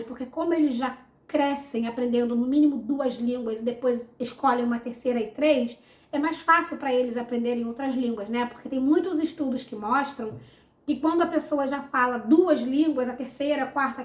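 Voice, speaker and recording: A woman's voice: high-pitched, reverberant. A Brazilian woman with a Brazilian Portuguese accent, answering follower questions in a casual, upbeat vlog with many fillers. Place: home, room with a window.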